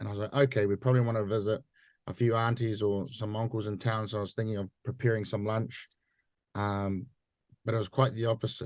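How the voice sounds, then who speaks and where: Against a quiet background, a man with a New Zealand accent talks at a very fast pace in a fairly low pitch with monotone, flat intonation. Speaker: PhD researcher and photographer. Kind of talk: conference presentation.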